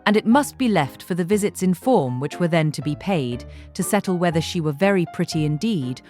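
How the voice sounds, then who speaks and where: A woman reads literary narration in a low voice with lively intonation. Her delivery is measured and articulate, as an audiobook narrator, with faint music underneath.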